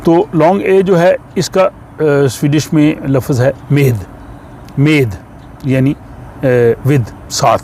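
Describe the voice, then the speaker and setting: Slow-teaching man, traffic hum behind. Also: on the high side, steady tone, dark tone. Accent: Urdu-speaking. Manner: slow, explaining with many fillers. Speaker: language teacher. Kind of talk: explaining a lesson.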